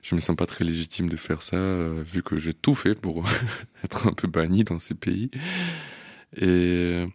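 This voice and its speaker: Brief: man, very low voice, dry close sound, halting radio guest. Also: flat delivery, no echo. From Ukraine. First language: Russian and Ukrainian. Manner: hesitant, many fillers and restarts, laughs softly. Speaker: interview guest. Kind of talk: radio interview.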